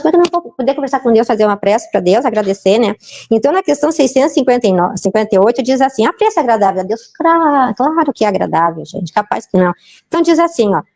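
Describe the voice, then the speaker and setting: A woman giving an informal spiritist talk, chatty and often turning to the audience with quick tag questions. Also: a little high, darkish tone. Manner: chatty, keeps asking the audience "né, gente?". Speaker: spiritist lecturer.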